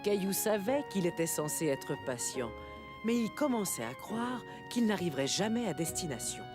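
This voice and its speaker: A woman narrating a children's cartoon in a gentle, measured storytelling way. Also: mid-range voice, big pitch swings. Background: music.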